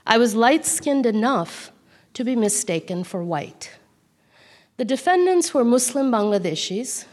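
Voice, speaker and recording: A woman's voice: medium pitch, darkish tone. Woman reading memoir in echoey hall. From Calcutta, India. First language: Bengali. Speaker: author reading from her memoir. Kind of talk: reading aloud from her own book. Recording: long hall reverb.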